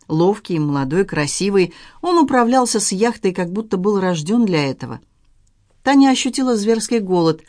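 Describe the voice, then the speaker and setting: A narrator reading a novel aloud in an even, measured storytelling manner. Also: mid-range voice, no room sound, clean studio sound.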